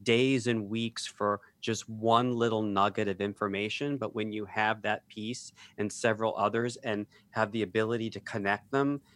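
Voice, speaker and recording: A man with a somewhat low voice talks on a podcast. His delivery is measured and thoughtful. The sound is dry and close. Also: fairly even intonation, a bit bright, dry recording. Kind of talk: casual chat.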